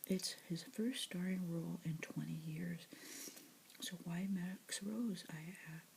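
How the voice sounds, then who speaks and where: A woman reading news articles aloud in a soft ASMR whisper, adding her own asides. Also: lowish voice, slow, gravelly, slight background noise, poor audio.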